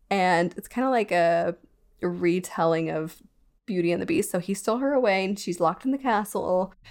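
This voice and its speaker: In a very clean recording with a silent background, a woman of medium pitch talks at a moderate pace in an animated tone with ordinary pitch variation. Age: 20s. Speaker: podcast host for freelancers. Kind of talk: casual solo podcast with story reading. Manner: animated, frequent laughter.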